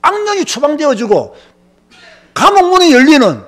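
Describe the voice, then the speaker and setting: A man's voice: extremely high pitch, normal speed. A male pastor preaching a sermon, telling stories emphatically with lots of filler words. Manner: emphatic, animated storytelling with many filler words.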